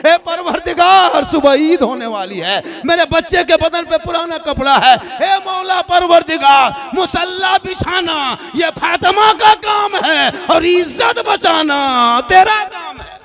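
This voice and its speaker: A gentle, devoted mother speaking softly and tearfully, as a male preacher puts her on within a sermon. Her voice is tender and pleading, sitting high in the register. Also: normal speed, hardly any pauses. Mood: pleading prayer. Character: gentle, devoted young mother soothing her sons and praying.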